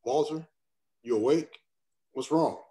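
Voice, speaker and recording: A man's voice: fairly high pitch, slow pace, dark tone. An actor at a table read voicing a troubled male doctor in an earnest, clipped way. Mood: desperate.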